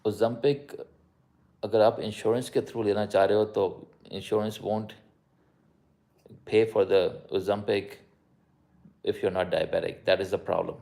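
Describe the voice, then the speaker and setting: A man's voice: lowish voice, fairly even intonation, fast talker, creaky, pauses often, dark tone. A man with a South Asian accent, a doctor chatting casually on a live stream, switching between Urdu-Hindi and English mid-sentence. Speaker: doctor answering live viewer questions.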